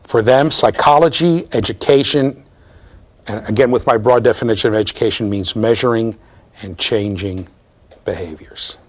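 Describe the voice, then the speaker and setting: In a classroom with bookshelves, a man in his fifties with a lowish voice gives a university lecture at a moderate pace, eagerly explaining and regularly adding "okay?" and "right?"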